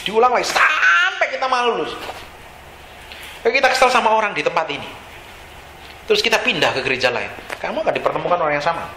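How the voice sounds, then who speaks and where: A man pastor preaching a lively sermon in a casual, slangy way, often quizzing the congregation. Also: sits high, quick pace, pauses often, noisy background. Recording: echoey hall with faint ambience.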